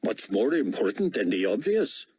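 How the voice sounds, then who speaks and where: Audiobook role, read by a man: anguished Indian man, Indian accent, raised pitch, husky, bitterly defiant and outspoken. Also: sing-song, moderate pace, darkish tone, exaggerated voice. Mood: agitated. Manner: pleading yet defiant, outspoken. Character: defiant, anguished Indian male cabinet member.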